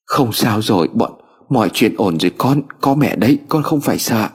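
A man's voice: lowish voice, lively intonation, normal speed, breathy edge. A man voicing an anxious middle-aged mother who soothes her frightened daughter. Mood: soothing. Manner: soothing, worried.

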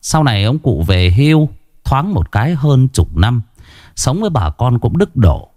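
A man narrating a horror story in a dramatic, expressive storytelling style. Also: mid-range voice, measured pace, no echo, studio quality.

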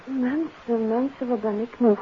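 A curious, weary wife of a detective, played by an actress, with a fairly high voice. The delivery is 1950s radio drama, on a dull recording with faint noise. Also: female voice, steady tone, a little slow, lightly acted.

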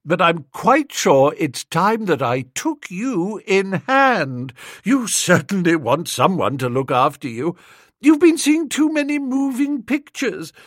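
A man voicing a bossy, self-assured young upper-class woman, speaking high and in a breezy, condescending way. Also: sing-song, takes it slowly, no echo, clean studio sound, heavily acted. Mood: teasing.

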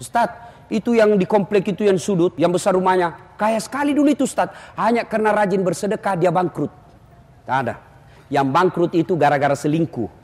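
A man preaching a humorous sermon, teasing the audience in a lively, joking manner. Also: high voice, a little fast. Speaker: Islamic preacher (ustadz). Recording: echoey hall.

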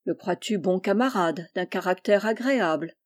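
A woman voicing a kindly, jovial middle-aged man who teases gently in an audiobook reading. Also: medium pitch, expressive, normal speed, lightly acted. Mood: amused, gentle. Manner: jovial, warm-hearted.

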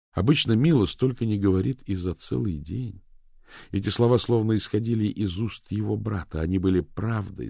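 A man reading an adventure novel aloud as narrator, expressive and raising his voice for the characters' shouts. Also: sits low, gravelly, dry recording, studio quality. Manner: expressive, raises voice for shouted lines. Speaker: audiobook narrator.

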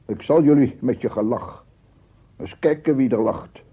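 An actor playing a paranoid, embittered amateur sound researcher in a theatrical radio drama monologue, muttering and proclaiming. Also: male voice, medium pitch, moderate pace, slightly rough, lightly acted. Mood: bitter, irritated. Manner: theatrical, muttering to himself, repeating words, swelling into proclamations. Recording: muffled narrow-band old radio recording, noisy.

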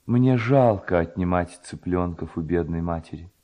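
Guy reading as a soft-hearted ghost girl from a storybook, plaintive, solemn, mellow tone. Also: deep voice, normal speed, muffled recording, voice pushed down, close to an everyday voice. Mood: weary, pleading. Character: gentle ghostly drowned young maidens playing a night game.

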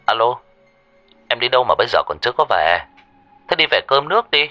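A man playing an impatient husband who grumbles rapidly over the phone. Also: mid-range voice, big pitch swings, pushed and bright, soft background music.

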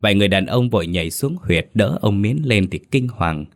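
A man narrating a scripted ghost story in a steady, even manner. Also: fairly low pitch, a little fast.

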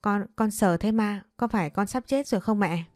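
A woman's voice: lowish voice, brisk, dark tone, dry recording, studio quality, lightly acted. A woman voicing an earnest haunted young man. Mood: panicked.

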